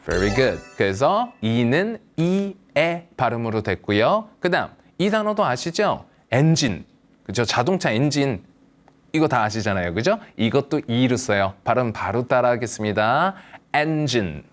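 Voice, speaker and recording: A man teaches English pronunciation to older learners in a slow, patient lesson, modelling words for viewers to repeat and reassuring them along the way. His medium-pitched voice is sing-song and a little slow.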